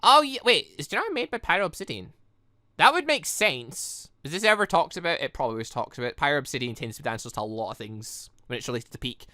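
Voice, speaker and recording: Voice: medium pitch, very animated, fast talker, sharp tone, no echo, clean studio sound. A gaming YouTuber doing rambling, thinking-aloud playthrough commentary on a visual novel, reading its dialogue out. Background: game music.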